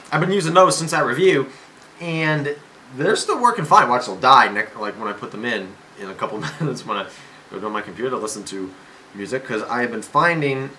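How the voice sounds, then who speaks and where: A young man of eighteen rambles to his camera at home, jumping between thoughts and tripping over restarts. His voice is bright and sharp, and his pitch swings widely as he talks. A faint hiss of room noise sits behind him. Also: rough recording. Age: young adult. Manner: rambling and self-interrupting, with many fillers and restarts; jokey and self-mocking. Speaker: vlogger. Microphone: camera mic.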